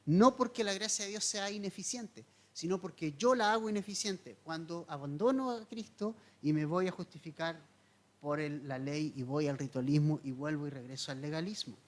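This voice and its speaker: A man's voice: on the high side, normal speed. A man, a pastor, giving a verse-by-verse sermon in an earnest, explanatory teaching tone, asking his listeners questions and repeating key points.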